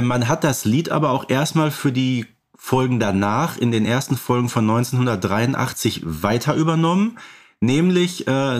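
A middle-aged man explaining things casually as a podcast co-host. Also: medium pitch. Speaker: podcast co-host and expert collector.

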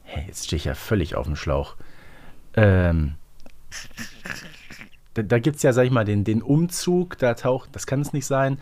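A man's voice: mid-range voice, expressive, a little slow, pauses often, a little mellow, slight background noise. A man co-hosting a podcast, playing a guessing game in casual chat and muttering to himself as he thinks. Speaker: podcast co-host.

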